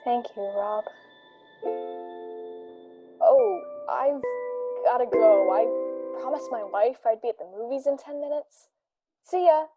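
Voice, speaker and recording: A woman's voice: fairly high pitch, animated, takes it slowly, long pauses, dull audio, music in the background. A woman acting an earnest, hesitant detective's client in a conversational radio drama. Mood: friendly, grateful. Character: friendly young woman, anxious client of a detective.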